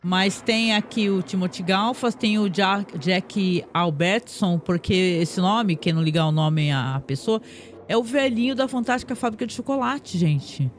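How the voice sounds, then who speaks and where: Brief: male podcast host, high voice, chatty recap full of restarts, faint music under. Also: a little slow. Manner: chatty, frequent tag questions and restarts. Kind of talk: casual plot recap.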